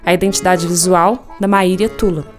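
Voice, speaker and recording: A woman's voice: on the low side, fairly even intonation, moderate pace. A Brazilian woman reading scripted credits as the narrator of a radio serial. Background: music with plucked guitar.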